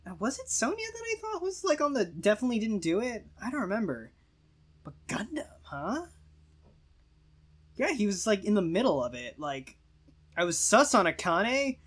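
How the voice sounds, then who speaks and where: A woman plays a game and reacts to it with casual, slangy, offhand commentary over game music. Her mid-range voice swings widely in pitch at a moderate pace.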